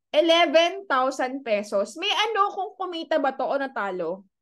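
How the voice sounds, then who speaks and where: Set against a quiet background, a woman speaks at a fairly slow pace in an extremely high pitch that swings very widely. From Philippines, Marikina; Philippines. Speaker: forex trading coach. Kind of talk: webinar presentation. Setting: video call. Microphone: video call.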